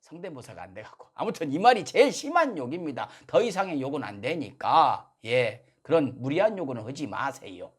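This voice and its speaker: Sarcastic man, lively pitch swings. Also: fairly quick, hardly any pauses, husky. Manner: sarcastic, mock-polite, with rising indignant outbursts. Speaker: political commentary host. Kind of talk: satirical political monologue.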